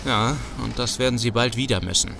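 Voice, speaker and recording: An actor playing a resolute young street gang leader in an audio drama, speaking with urgent command. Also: male voice, mid-range voice, a little fast, creaky, close to an everyday voice. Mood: grim, determined. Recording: music under the voice.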